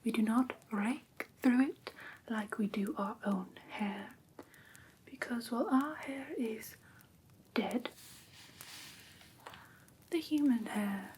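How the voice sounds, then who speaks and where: A woman playing a prim, patient vampire teacher in a whispered ASMR roleplay, speaking softly and breathily with formal, careful instruction. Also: fairly high pitch, takes it slowly, long pauses, slight background noise. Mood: gentle, instructive. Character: prim, patient female vampire teacher of human pet care.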